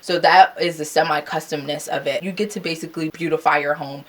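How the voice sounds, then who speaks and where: Chatty low-voiced woman vlogger. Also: brisk. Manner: chatty, animated, laughs at her own asides. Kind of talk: casual chat to camera.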